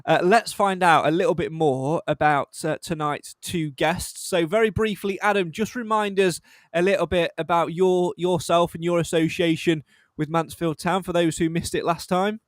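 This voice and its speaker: Upbeat host, high bright voice. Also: male voice, steady tone, normal speed, no echo. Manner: chatty, self-deprecating, with frequent fillers. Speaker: podcast host. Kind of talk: casual live podcast hosting.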